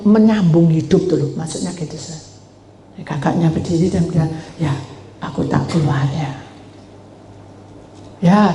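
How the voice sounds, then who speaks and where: A woman pastor preaching a sermon in animated storytelling style, acting out the voices in her stories and calling out to the congregation. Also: on the low side, a little hiss or hum. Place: church. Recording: echoey church hall, faint ambience.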